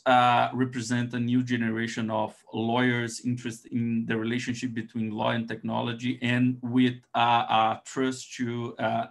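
A man with a Brazilian accent and Portuguese as his first language, presenting slides on a video call as an academic, in a hesitant, halting way. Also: mid-range voice, creaky, fairly bright tone.

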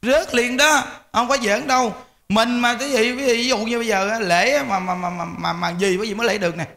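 Animated monk giving a talk. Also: male voice, very high voice, a little fast, vocal fry. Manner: animated, emphatic, repeats words, addresses listeners directly. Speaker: Buddhist monk teaching lay followers. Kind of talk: informal dharma talk.

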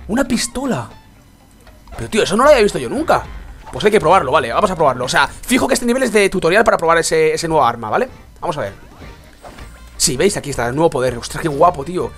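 A young man, commenting on a mobile game he is playing, congested and sore-throated from a cold, swinging between low muttering and excited outbursts. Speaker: gaming YouTuber. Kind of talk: let's play commentary.

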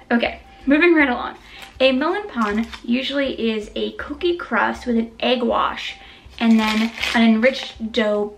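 A woman's voice: fairly high pitch, a little hiss or hum. A woman hosting a mukbang, chatting casually about desserts while chewing and tasting. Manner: chatty and self-deprecating, talks while chewing. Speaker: food vlogger.

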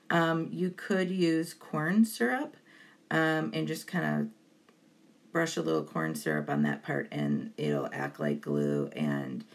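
A woman's voice: low voice, gravelly. A woman giving an informal step-by-step tutorial voice-over in a chatty way, encouraging to beginners. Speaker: baking tutorial host.

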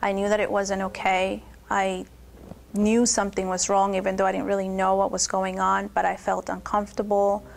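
Woman from Peru with flat testimony delivery. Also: medium pitch, normal speed, gravelly, a little hiss or hum. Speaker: testimony speaker. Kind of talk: personal testimony.

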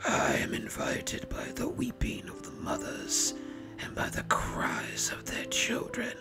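A man voicing a menacing spider lord in a storybook tale, calm and patient, in a dry, dusty, raspy whisper. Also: over music, lightly acted. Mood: accusing. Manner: calm, slow, deliberate menace.

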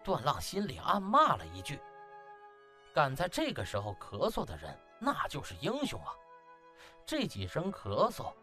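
A man's voice: medium pitch, fairly bright tone. A man narrating an audiobook as dramatic scripted storytelling, in a theatrical, emphatic manner.

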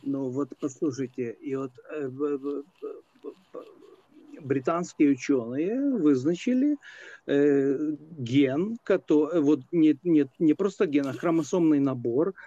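A man from Ukraine calling into a live stream, debating in a halting, deliberate way with drawn-out hesitations over an internet call. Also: a little high, lively intonation, warm tone, no room sound. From Lviv, Ukraine. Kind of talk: unscripted debate. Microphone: internet video call. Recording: dull lo-fi call audio.

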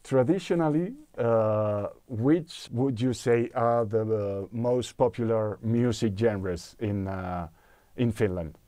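A man in his thirties, a native Spanish speaker, hosting a music podcast interview and often pausing on fillers. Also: on the low side, mellow. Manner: hesitant, many uh fillers. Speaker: podcast host. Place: small room with acoustic foam panels.

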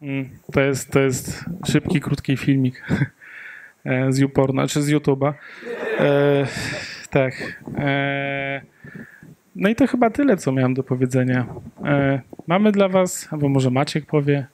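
Background noise accompanies a man in his thirties presenting at a tech meetup, using a handheld mic in a conference room. He speaks at medium pitch and a bit slowly, sounding unsure, with plenty of fillers and humorous asides.

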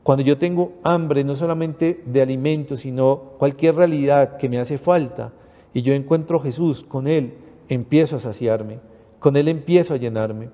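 A man's voice: medium pitch, moderate pace, dark tone, long reverb tail. A priest with a Panamanian accent giving an earnest sermon, often calling his listeners brothers. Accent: Panamanian Spanish.

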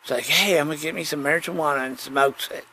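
A man's voice: on the high side, fast talker, noisy background. A man chatting casually on his own as a podcast host, folksy and digressive, often circling back to repeat his phrases. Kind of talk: rambling casual solo chat.

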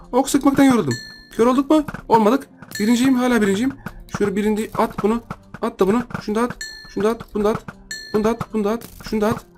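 A man's voice: on the high side, darkish tone. A young man hosting a gaming channel, giving casual, joking commentary as he plays and talks to his viewers, often repeating phrases as he pleads with the game. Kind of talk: casual let's-play commentary.

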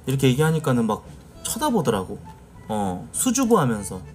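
Male streamer, casual chat, very lively intonation, animated storyteller. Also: mid-range voice, normal speed, faint music behind. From Jeolla, South Korea. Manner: animated storyteller acting out quoted lines. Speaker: live streamer.

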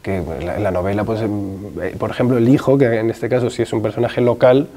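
A man's voice: on the low side, steady tone, fast, dark tone. A man in his thirties, a film director, answering interview questions in a hesitant, thinking-aloud way with many restarts. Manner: gestures with his hands as he talks. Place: room with wooden shelves, indoors.

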